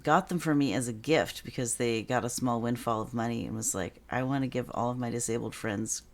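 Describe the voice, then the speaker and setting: A trans man hosting a podcast, asking questions in long relaxed strings and laughing easily. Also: medium pitch, a little fast, vocal fry. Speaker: podcast host. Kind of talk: casual interview.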